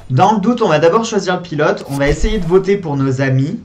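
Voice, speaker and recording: A man's voice: fairly high pitch, expressive, brisk, a little mellow. A man hosting a gaming video, giving casual commentary on a board game as he plays, thinking aloud with hesitations and repeats.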